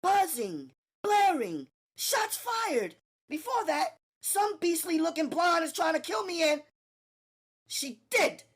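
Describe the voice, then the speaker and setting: A man voicing a tough, streetwise young woman who speaks fast and emphatically, her pitch climbing as she talks. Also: big pitch swings, fairly bright tone. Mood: frantic. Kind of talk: audiobook character voice.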